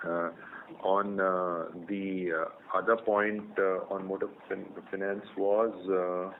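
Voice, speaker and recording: A man with an Indian accent, a company executive explaining results in a measured way on an earnings call. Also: sits low, level tone. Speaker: company executive answering analysts. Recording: narrow phone line with faint noise.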